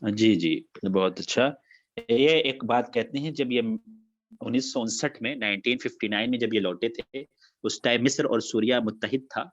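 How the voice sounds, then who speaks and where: A man's voice: medium pitch, highs cut off. A man teaching an online class, repeating key facts and dates.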